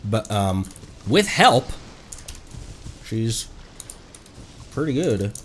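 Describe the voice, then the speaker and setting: A man chatting casually on a live game stream, playful and quick to react excitedly. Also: lowish voice, slight background noise. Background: video game music.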